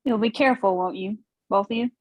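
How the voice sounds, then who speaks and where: A woman's voice: mid-range voice, fast, dry recording, lightly acted. A woman reading the part of a defiant, headstrong young wife in a drama, with an assertive, dry manner. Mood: earnest concern. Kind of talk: screenplay table read.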